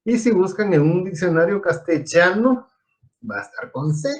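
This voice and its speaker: A man's voice: high voice, expressive, normal speed. A man from Guatemala teaching an online engineering class, explaining step by step and quizzing his students. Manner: explanatory, asks students questions.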